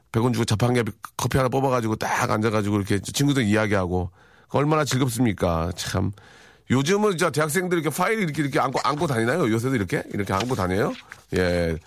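A man's voice: mid-range voice, animated, fast, dry recording, studio quality. A middle-aged man hosting a radio show, chatting playfully and acting out quoted lines for laughs. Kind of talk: morning radio talk. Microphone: studio microphone.

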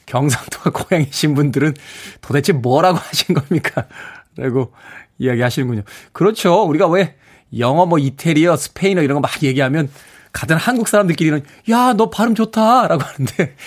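A man's voice: on the high side, a little fast, slightly rough. A man hosting a morning radio show in a studio, chatty and chuckling as he reads out listener texts. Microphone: studio microphone.

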